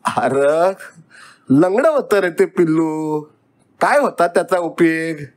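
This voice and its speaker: A man's voice: a little high, animated, slow. A man voicing a poor older village father who speaks in a rustic, coaxing way.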